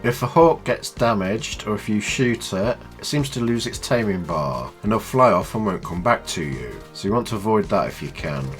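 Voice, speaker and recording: A man with a stuffy nose from a cold, explaining a video game in a chatty, low-key tutorial. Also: animated, moderate pace, few pauses, soft background music. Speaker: gaming channel host.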